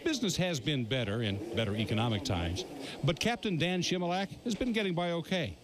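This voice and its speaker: A man's voice: on the high side, animated, brisk, noisy background. An American man narrating a scripted TV news feature as a reporter, with dramatic, emphatic storytelling.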